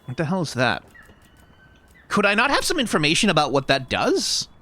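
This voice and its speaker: A man's voice: fairly high pitch, huge pitch swings, moderate pace, sharp tone. A man doing casual gameplay commentary, thinking aloud in a musing, wryly exasperated way. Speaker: video game streamer.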